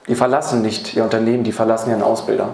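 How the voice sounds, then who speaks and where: A man's voice: fairly low pitch, level tone, rapid-fire, gravelly, a little mellow, slight background noise. A man giving a seminar talk on apprenticeship training to a live audience, speaking to them directly and posing rhetorical questions. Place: seminar or lecture room. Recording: roomy hall sound.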